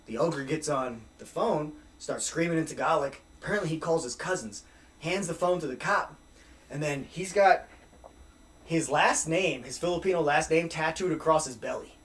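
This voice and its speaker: A man telling a wild story as a podcast guest, animated and profane, acting out what people said. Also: fairly high pitch, normal speed. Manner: animated, profane, acts out quotes. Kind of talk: casual storytelling.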